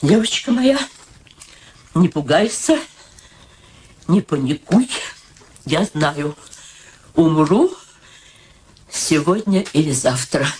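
An older woman acting in a radio play as a frail, anxious elderly mother near death, plaintive and dramatic with drawn-out pauses. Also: low-pitched. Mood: mournful, resigned. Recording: steady background noise.

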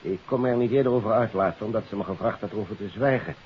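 An actor playing an earnest, courteous police investigator in a 1950s radio drama, with a formal, deliberate and emphatic delivery. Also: male voice, fairly low pitch, natural voice. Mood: grave, explanatory. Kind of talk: 1950s Dutch radio detective drama acting. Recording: dull, hissy 1950s radio recording.

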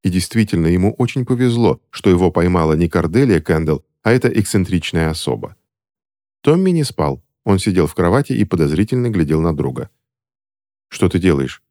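A man narrating a fantasy audiobook in an animated storytelling manner, voicing each character himself. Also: deep voice, a little fast.

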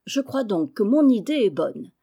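A woman reading aloud, voicing a good-hearted, quick-witted maidservant. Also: a little high, sing-song, warm tone, breathy edge, full character voice. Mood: sly. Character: kindly clever maidservant.

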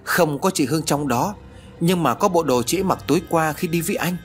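Male narrator doing a scared young woman, higher and lively, anxious and urgent, faint music under. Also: fairly quick, natural voice. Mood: worried. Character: frightened young woman searching for her sister.

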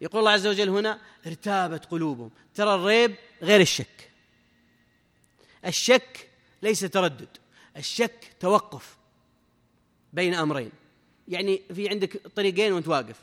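A man's voice: high voice, a bit bright, in a large hall. A man teaching a lesson on reflecting on the Quran, talking emphatically, quoting verses and acting out short exchanges. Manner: rapid, emphatic, quotes verses and acts out dialogue. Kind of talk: sermon lesson.

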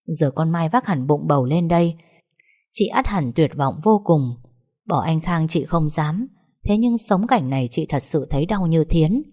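Low-voiced woman narrating a story. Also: expressive, normal speed, mellow.

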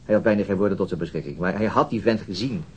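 A deep husky cop in a radio play, dogged and troubled, thinks as he talks. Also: quick pace. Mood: troubled, pensive. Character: dogged, troubled male police detective recounting his inquiry. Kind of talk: naturalistic Dutch radio drama acting.

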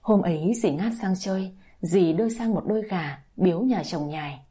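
A woman narrating a scripted story in a calm, even storytelling manner. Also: on the low side, normal speed, breathy edge.

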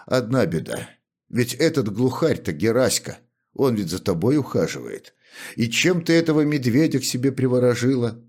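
A gruff, commanding old butler, as a male reader puts him on, issues orders in this storybook reading. His stern voice sits slightly raised and moves with lively inflection. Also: mid-range voice, normal speed, pitched above the performer's own voice. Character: stern, bossy older male house butler. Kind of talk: audiobook character reading.

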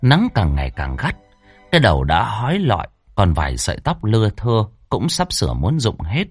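Brief: male storyteller, lowish voice swinging wildly in pitch, bone-dry close recording. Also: normal speed, slightly rough, no room sound, faint music behind. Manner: expressive, rhythmic storytelling. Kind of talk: ghost story narration.

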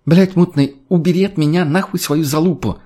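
A man voicing an irritable, sharp-tongued young woman who snaps and swears. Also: fairly high pitch, animated, normal speed, husky, voice pushed up. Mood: annoyed. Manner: snapping, swearing.

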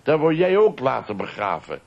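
A man's voice: mid-range voice, big pitch swings, normal speed, creaky, slightly rough, lo-fi sound, pitched above the performer's own voice, full character voice. Older man doing an earnest, wondering little boy, raised voice. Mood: excited. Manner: exclaiming, full of innocent wonder.

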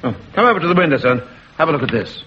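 A man acts out a mild, diffident sitcom sergeant. He is polite and hesitant, his intonation lively. The old recording is a little dull, with faint noise. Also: a little high, very fast, close to an everyday voice. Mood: politely bemused. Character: diffident, mild, genteel middle-aged sergeant. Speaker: comedy actor. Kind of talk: 1970s British sitcom acting.

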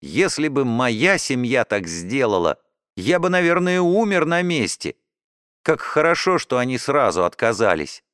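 A man narrating a children's audiobook in an expressive first-person storytelling way. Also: medium pitch, a little slow, smooth, no room sound, studio quality.

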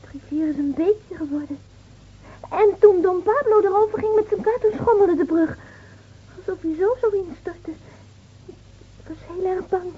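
A woman's voice: very high voice, normal speed, long pauses. An actress playing a naive, devout young shepherd girl in a radio play, earnest and full of questions. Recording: tinny, noisy old radio play recording.

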